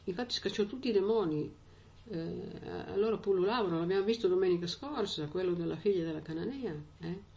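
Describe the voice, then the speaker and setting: A woman's voice: on the low side, a little fast, gravelly, warm tone, dull audio. A woman preaching a sermon in a conversational way, often checking in with her listeners with little asides.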